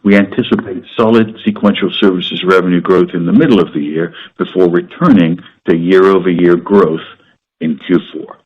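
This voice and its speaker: Deep-voiced executive with a croaky sore throat. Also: male voice, steady tone. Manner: measured, businesslike delivery with fillers. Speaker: company executive. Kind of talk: earnings call remarks. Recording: muffled conference-call audio.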